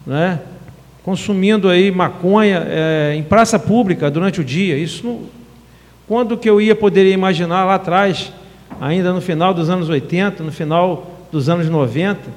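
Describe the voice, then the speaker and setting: A man's voice: high-pitched, long reverb tail. A man in his fifties, a city councilman giving a formal speech with many fillers and an earnest tone. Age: 50s. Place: council chamber.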